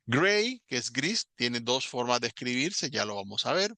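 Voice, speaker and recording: A man teaching an online English class, patiently explaining step by step and saying English words slowly as examples. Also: medium pitch, very animated, sharp tone, dry recording.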